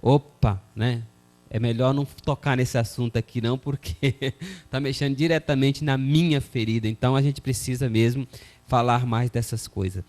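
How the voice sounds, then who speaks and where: A man's voice: mid-range voice, fairly even intonation, normal speed, darkish tone. A man hosting a Christian television program, talking earnestly about forgiveness and reading scripture in a preacherly way. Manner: earnest, preacherly, many filler "né?". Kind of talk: religious talk show, reading viewer messages and scripture.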